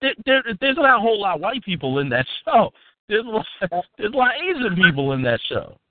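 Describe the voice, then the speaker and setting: A man speaks at a high pitch and a very fast pace. His pitch swings very widely. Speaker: podcast panelist. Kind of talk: casual chat.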